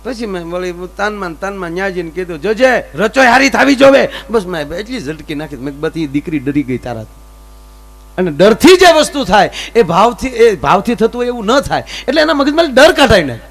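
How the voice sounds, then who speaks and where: A man performs stage comedy in a high, lively voice. He plays both sides of each story's dialogue. A faint electrical hum runs under the live mic. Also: fairly quick. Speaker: folk comedian.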